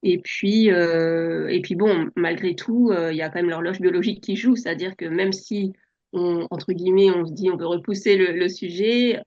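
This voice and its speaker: A soft-spoken woman in her forties, born in France, telling her story as an interview guest with many hesitations. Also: lowish voice, steady tone, normal speed, dull audio. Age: 40s. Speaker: podcast guest. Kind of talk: relaxed personal interview.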